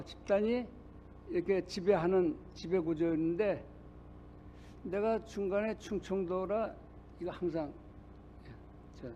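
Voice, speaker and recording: An older male pastor preaching a sermon, telling a personal story in a halting way with many pauses. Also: high voice, lo-fi sound, a little hiss or hum. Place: church sanctuary.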